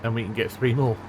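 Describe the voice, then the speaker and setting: This let's-play commentator talks his way casually through a game with frequent chuckles. His mid-range voice is a little mellow but also strained, nearly at the point of losing it, and there's a slight hiss or hum.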